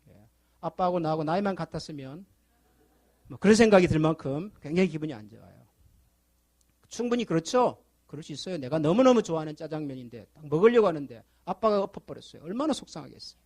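High-voiced pastor preaching a sermon. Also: male voice, lively intonation, a little fast, darkish tone. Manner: storytelling to children, asks the congregation questions, rising to fervent appeals. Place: church sanctuary.

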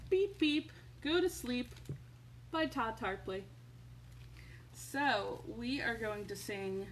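A woman hosting a storytime for small children, reading and chatting in an expressive, sing-song manner, recorded indoors at home. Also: medium pitch, poor audio. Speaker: children's librarian, storytime host. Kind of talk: children's storytime read-aloud and chat. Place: indoors, home living room. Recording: home recording with faint background noise.

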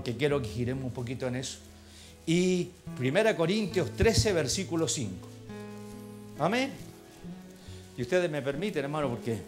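Chilean preacher man, homely and fervent. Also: on the high side. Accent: Chilean Spanish. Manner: folksy, addresses congregation as brother; rising fervent prayer. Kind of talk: church sermon. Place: church hall.

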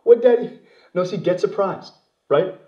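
A man's voice: high voice, lively intonation, moderate pace, far from the mic, dull audio, voice pushed up. A man playing an overeager dad directing his daughter on camera at her birthday party. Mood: coaxing. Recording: roomy echo.

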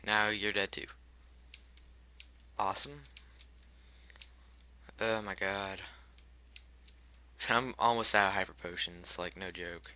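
A man's voice: fairly low pitch, fairly even intonation, takes it slowly, pauses often, pushed and bright, clear, resonant tone. A man commentating his own gameplay, frustrated and swearing at the game while muttering the menu choices he picks, his voice cracking. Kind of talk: let's play commentary.

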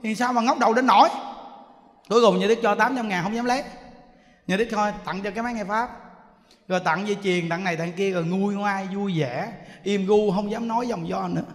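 A male Buddhist monk delivers a sermon, telling stories with laughter and acting out the people in them. His voice is fairly high, and a long hall reverb trails every phrase. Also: brisk.

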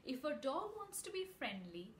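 Young female children's storyteller, high lively voice, unhurried, expressive, in a roomy home recording. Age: young adult. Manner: expressive, addresses young listeners with questions. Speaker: children's story reader and host. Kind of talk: read-aloud children's storytelling with asides. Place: small home room, indoors. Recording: roomy echo with audible background noise.

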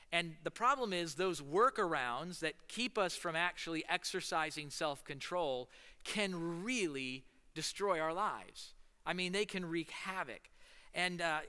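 A Midwestern-accented man in his thirties preaches a relaxed, anecdotal sermon from a church stage into a headset mic. His voice is bright, crisp and a touch high. A long hall reverb trails his words. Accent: Midwestern American. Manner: storytelling, animated with hand gestures, seated on a stool. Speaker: pastor. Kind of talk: casual conversational sermon. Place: church stage in front of a large screen.

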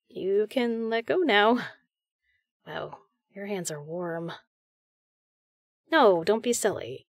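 A woman's voice: lowish voice, darkish tone, dry recording, clean studio sound, heavily acted. A woman playing a friendly, chatty, reassuring female caroler in a one-sided roleplay audio conversation. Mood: shy, flirty. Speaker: voice actor.

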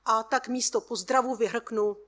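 A woman reads her first-person story aloud, calm and measured. Her voice is high and bright. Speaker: workshop participant reading her story.

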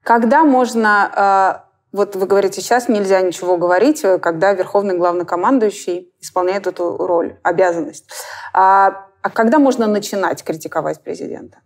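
A woman in her thirties hosting an interview, asking questions in a calm, measured way with small hesitations, on a lapel mic in a dim studio. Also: mid-range voice. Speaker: interviewer host.

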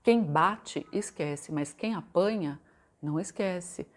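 A Brazilian woman giving a motivational relationship talk in a conversational way, often asking tag questions and reciting mantras slowly and softly. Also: lowish voice. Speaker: self-help and relationship coach.

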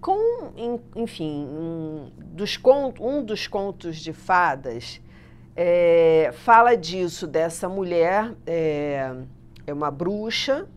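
A woman's voice: fairly low pitch, very animated, very slow, darkish tone. A woman interviewing a guest in a studio, affirming his answers and asking follow-up questions.

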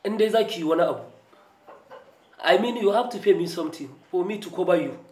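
A man's voice: high-pitched, fast, a little mellow, lightly acted. A man with a Nigerian Hausa accent playing a brusque, grasping middle-aged school official in a TV drama. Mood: demanding. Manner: brusque, demanding. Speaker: actor in TV drama. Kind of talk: TV drama acting. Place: small bare office indoors. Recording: echoey room.

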